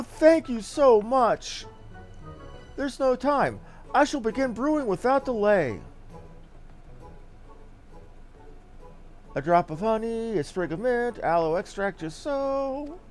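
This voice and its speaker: A man voicing a small, excitable young female helper from a fantasy game, in a theatrical, effusive manner. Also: high voice. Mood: grateful, fussy. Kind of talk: reading game dialogue in character.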